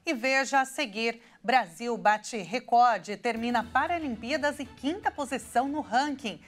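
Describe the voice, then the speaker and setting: A woman's voice: a little high, normal speed. A Brazilian woman in her thirties presenting scripted TV news as an anchor in a studio.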